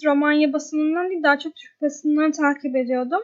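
Fairly even intonation from a woman speaking at a high pitch. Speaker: volunteer. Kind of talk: interview. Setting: remote call.

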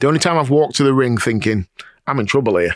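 A man speaks with a Yorkshire accent and lively intonation. The recording is very clean and dry, with a silent background and no echo. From Yorkshire, England (Driffield/Hull area). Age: 40s. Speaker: former footballer and boxer. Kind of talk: interview.

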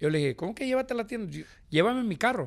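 The voice swings very widely in pitch on a very clean recording with a silent background. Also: man. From Southern California, Venice Beach, son of Mexican immigrants. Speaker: record label founder. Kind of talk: interview, casual bilingual chat.

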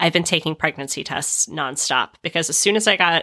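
The tone is bright and sharp, the sound dry and close with no echo, in a very clean recording with a silent background. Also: woman. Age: 30s. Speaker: solo podcast host. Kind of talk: personal monologue. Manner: conversational.

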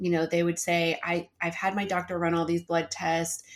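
A woman's normal speaking voice at a fairly low pitch and a moderate pace. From northern California. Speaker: functional health business coach. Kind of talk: interview.

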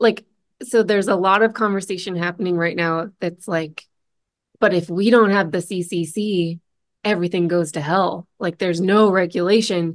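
Against a quiet background, a woman speaks at medium pitch in a normal speaking voice. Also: fairly even intonation, moderate pace. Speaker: podcast host. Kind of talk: casual interview conversation.

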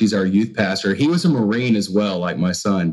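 Using a plain, everyday voice, a man speaks at a moderate pace with a fairly low pitch and lively intonation. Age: 40s. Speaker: worship pastor and musician. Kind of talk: interview testimony.

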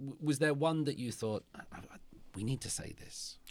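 A man speaks at a moderate pace with an English accent and lively intonation. The recording is very clean, with a silent background. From England. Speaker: podcast host. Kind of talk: interview conversation.

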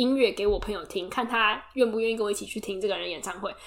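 This woman speaks with a Taiwanese accent and a fairly high pitch. Her pitch varies in an ordinary way. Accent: Taiwanese Mandarin. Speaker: podcast host. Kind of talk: casual chat.

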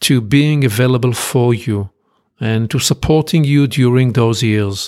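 Speaking fairly slowly in an ordinary speaking voice, a man holds a medium pitch with ordinary pitch variation on a very clean recording with a silent background. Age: 50s. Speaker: consultant and podcast host. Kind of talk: reading a letter aloud.

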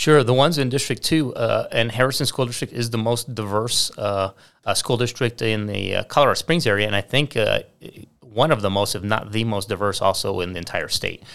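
A man with a medium-pitched voice and an American accent, ordinary pitch variation, on a very clean recording against a silent background. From Central California. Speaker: county commissioner. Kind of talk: interview. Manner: halting, many fillers.

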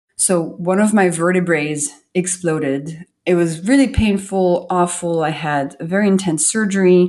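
At a moderate pace, a woman with a French accent speaks at a fairly low pitch with ordinary pitch variation. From France. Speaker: biochemist. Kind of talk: casual chat. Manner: melodic.

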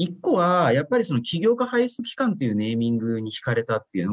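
Speech comes from a man, delivered fairly quickly. No echo at all; the audio is dry and close. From Fukushima, Japan (Minamisoma). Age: 40s. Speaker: company CEO. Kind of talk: interview.

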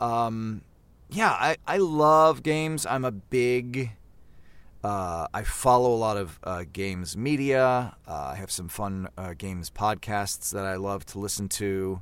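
On a very clean recording with a silent background, a man uses a plain, everyday voice, fairly low in pitch, with lively intonation at a fairly slow pace. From Canada. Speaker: voice actor. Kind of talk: casual interview chat.

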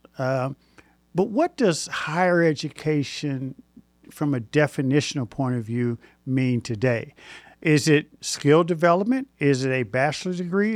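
An unremarkable speaking voice from a man, fairly high-pitched for a man, with lively intonation, in a dry, close sound with no echo on a very clean recording with a silent background. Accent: American. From Indiana, Indianapolis. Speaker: podcast host. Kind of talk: interview.

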